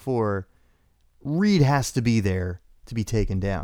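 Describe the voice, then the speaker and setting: The recording is very clean, its background silent. Here a man's pitch swings very widely. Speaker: comic book podcast host. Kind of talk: casual chat.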